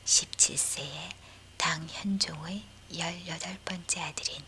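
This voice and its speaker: A woman narrating a scripted historical bedtime story in a breathy, unvoiced whisper. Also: on the low side, fairly even intonation, measured pace, pushed and bright, slight background noise.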